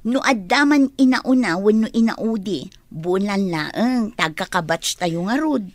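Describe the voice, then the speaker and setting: A woman's voice: mid-range voice, lively intonation, measured pace, no echo. A young woman with an Ilocano accent, playing a chatty, teasing best friend in a radio drama. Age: young adult.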